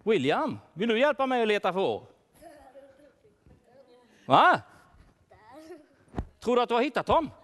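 Man doing a shepherd, worried, searching for lost sheep, playful with children, high for a man, very animated, church talk. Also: pauses often, heavily acted. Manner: animated, asks children questions, calls out names. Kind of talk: playful role-play for children.

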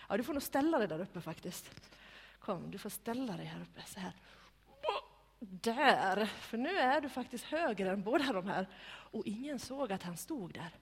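A woman with a husky voice tells a Bible story to children in a church room, coaxing them to act it out and sometimes dropping to a whisper. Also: medium pitch. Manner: animated, coaxing, directs children, drops to whispers. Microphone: microphone on a stand. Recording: long hall reverb.

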